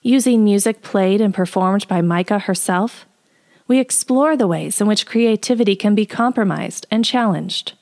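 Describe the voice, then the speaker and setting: A woman podcast presenter with a medium-pitched voice. She reads scripted narration that introduces drama excerpts. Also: moderate pace, a little mellow.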